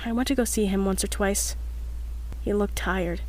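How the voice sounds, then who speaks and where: A woman's voice: medium pitch, moderate pace, a little mellow, lightly acted, rough recording. A woman playing an earnest, determined young scientist in an audio drama, speaking in a reflective, slightly hesitant confessional log. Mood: somber, reflective.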